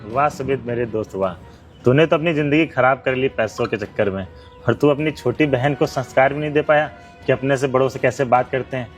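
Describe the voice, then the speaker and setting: A man's voice: mid-range voice, a little fast, soft background music, lightly acted. A man playing a poor, disabled childhood friend who speaks in a heartfelt, pleading way in an amateur skit. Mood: hurt.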